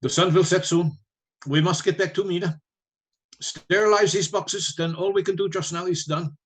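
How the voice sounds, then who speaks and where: A solemn, commanding professor rallying vampire hunters in a radio drama. His voice is fairly high for a man, with a husky edge, and deliberate. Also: fairly even intonation, a bit bright. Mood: urgent resolve. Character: resolute male professor leading vampire hunters. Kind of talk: live radio play acting.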